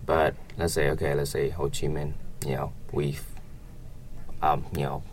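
A young man from Vietnam, a native Vietnamese speaker with a Vietnamese accent, answering casually in a halting, rambling way with lots of filler phrases. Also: rumbling low, little pitch movement, slight background noise. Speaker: interviewee.

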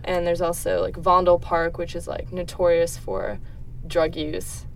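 A woman's voice: lowish voice, little pitch movement, measured pace, vocal fry. A young woman from the Netherlands answering interview questions in a casual, informal way, often hedging tentatively. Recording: distant mic, faint background noise.

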